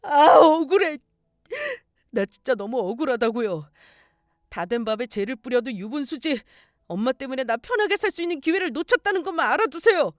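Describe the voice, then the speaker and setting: A woman's voice: a little high, very animated, a little fast, a little mellow, dry recording, clean studio sound. A woman voicing a greedy young man, the heroine's fiancé, who pleads and whines. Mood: whining.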